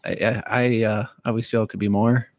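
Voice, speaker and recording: A man answering questions on a radio show as a guest, speaking haltingly with many fillers and restarts. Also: on the low side, flat delivery, a little mellow, no echo. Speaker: county veterans affairs officer, studio guest. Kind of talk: casual radio interview. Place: radio studio. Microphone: studio microphone.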